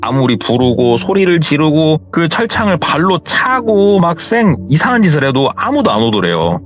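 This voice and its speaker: A man hosting a horror story radio show, retelling a true tale in an animated, conversational way. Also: fairly high pitch, moderate pace. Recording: dull lo-fi with faint music.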